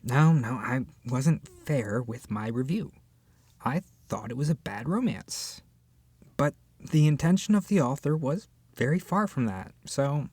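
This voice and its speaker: A performer in a scripted audio roleplay, speaking to the listener as a flustered, opinionated book club member, expressive and hesitant with sighs and whispered asides. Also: medium pitch, husky, no room sound. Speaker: ASMR roleplay voice actor. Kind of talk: scripted audio roleplay, acted as one side of a conversation addressed to the listener.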